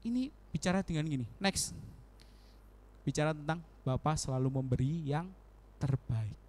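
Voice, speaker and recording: A young man preaching a casual sermon in a church, animated, acting out prayers in quoted voices and laughing often. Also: fairly high pitch, moderate pace. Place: church hall.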